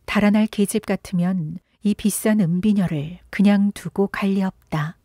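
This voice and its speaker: Woman audiobook narrator, gentle storytelling, warm mellow tone, slow delivery. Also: mid-range voice, dry recording, clean studio sound. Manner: gentle, unhurried storytelling with some breathy whispered passages. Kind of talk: soft literary audiobook reading.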